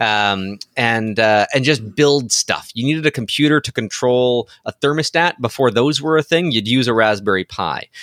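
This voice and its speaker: A man with a Canadian accent, an ordinary speaking voice at medium pitch, ordinary pitch variation, a moderate pace with hardly any pauses, and a dry, close sound with no echo in a very clean recording with a silent background. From Ontario, Canada (Sudbury). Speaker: podcast host. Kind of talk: casual chat.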